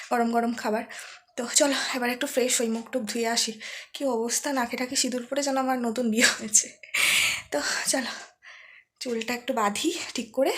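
Chatty woman vlogger, slightly high voice. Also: a little hiss or hum. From Bengal. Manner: chatty, addresses viewers as friends; talks softly so the child keeps sleeping. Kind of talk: casual vlog voice-over.

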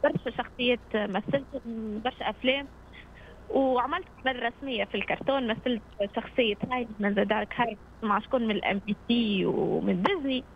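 A woman's voice: fairly high pitch, fast talker, vocal fry. A nineteen-year-old woman with a Tunisian accent speaks casually and hesitantly as a guest on a radio phone-in. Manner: hesitant, searching for words. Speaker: phone-in guest, amateur voice actor. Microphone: phone call. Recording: dull phone line with noise.

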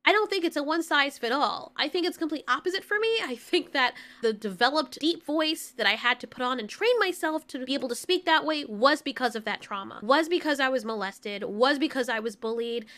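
Squeaky high-voiced young woman. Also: a little fast, few pauses. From Brooklyn, New York. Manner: candid, animated, rants with rising frustration. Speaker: YouTuber. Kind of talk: casual personal talk over gameplay footage.

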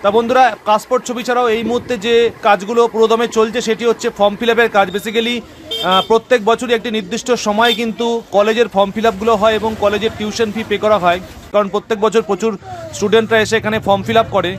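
A young Bengali-accented man talks very fast in a high voice, keeping his pitch fairly flat and even. He explains things in a brisk, instructive way. Faint street noise sits behind him. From West Bengal, India. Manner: brisk, instructive, addresses viewers as friends. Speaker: cyber cafe owner and channel host. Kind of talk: explanatory voice-over narration.

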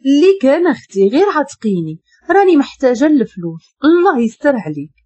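A woman's voice: a little high, wildly swooping pitch, fast talker, mellow, husky, no room sound, dull audio, exaggerated voice. A woman doing a desperate, pleading young Moroccan woman. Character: desperate young woman caring for her sister.

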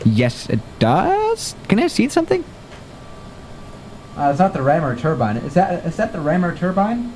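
Chatty young male streamer, slightly high. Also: moderate pace, a little hiss or hum. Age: young adult. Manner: chatty, excitable, flustered by emergencies. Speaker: flight sim streamer. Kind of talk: live-stream commentary. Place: small room indoors. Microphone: studio mic on desk.

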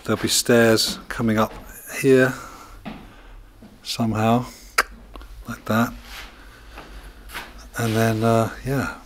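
A middle-aged vlogger who is building a recording studio in a barn films a handheld video diary inside the large barn, holding the camera at arm's length. His medium-pitched voice is casual and understated, with a flat delivery, a slow pace and long pauses. A little hiss or hum can be heard.

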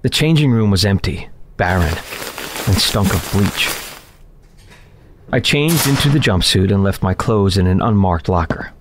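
A man's voice: low voice, animated, a little slow, noisy background. An actor playing an uneasy man trapped in a deadly game, narrating a horror audio drama in a tense, dramatic way. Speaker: narrator and lead character. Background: loud music.

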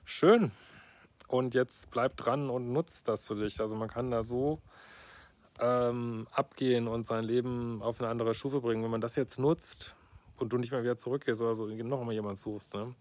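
This middle-aged man speaks at a moderate pace in a steady, medium-pitched voice that's a little mellow. As a couples therapist doing a casual reaction vlog, he reads a viewer's letter and comments bluntly and sarcastically, with frequent "ne?" tags and fillers.

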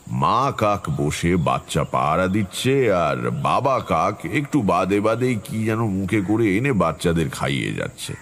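An actor playing a brooding tantric storyteller, narrating an eerie village tale in a measured, dramatic way. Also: male voice, rumbling low, a little hiss or hum, exaggerated voice. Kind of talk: dramatic first-person horror narration.

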